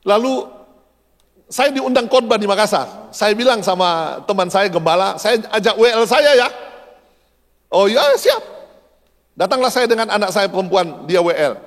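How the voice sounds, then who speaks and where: High-voiced emphatic pastor in a reverberant hall. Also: male voice. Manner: emphatic, repeats phrases, swings from loud calls to low prayerful tones. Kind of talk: sermon. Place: church hall. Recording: long church hall reverb.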